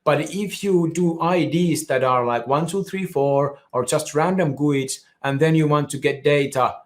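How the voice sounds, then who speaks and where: A man's voice: a little high, measured pace. A man from Finland with a Finnish accent, giving a technical conference presentation in an explanatory way with frequent restarts. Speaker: conference speaker.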